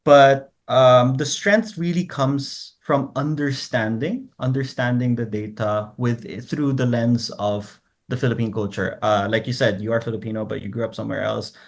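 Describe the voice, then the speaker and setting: In a conversational interview, a guest researcher from Korea, a native Korean speaker, explains his ideas point by point and frequently checks that the listener is following. He has a mid-range voice with vocal fry and fairly even intonation.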